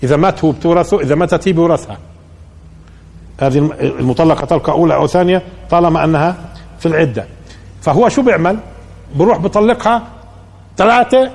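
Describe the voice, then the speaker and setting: Gravelly-voiced Palestinian sheikh teaching. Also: male voice, on the high side, fast, pauses often, darkish tone. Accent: Palestinian Arabic. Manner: conversational, poses rhetorical questions and answers them. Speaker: sheikh teaching Quran commentary. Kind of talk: colloquial religious lesson.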